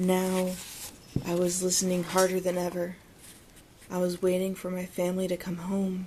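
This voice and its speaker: A soft-spoken woman talks at a medium pitch and moderate pace, her tone gentle and her intonation flat and monotone. She leaves long, frequent pauses over noticeable background noise. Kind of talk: soft-spoken book reading / ASMR. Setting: close to camera, quiet indoor recording. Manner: soft-spoken, gentle.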